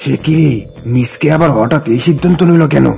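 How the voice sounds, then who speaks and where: A man voicing a regal, thoughtful lion, king of the forest, in a cartoon, with a gravelly voice. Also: fairly high pitch, brisk, highs cut off, soft background music, heavily acted. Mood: pondering. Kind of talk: cartoon voice acting.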